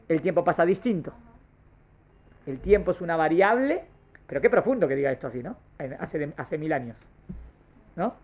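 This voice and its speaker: Man as a Torah teacher, questions the class and answers himself. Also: high-pitched. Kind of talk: classroom lesson on Jewish thought.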